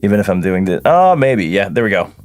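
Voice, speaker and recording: A man's voice: lowish voice, very animated, a little fast, soft background music. A tired man, hosting a casual livestream Q&A and chatting with viewers by name. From Quebec, Canada. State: tired, voice deeper than usual this morning. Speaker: live sound engineer hosting a livestream.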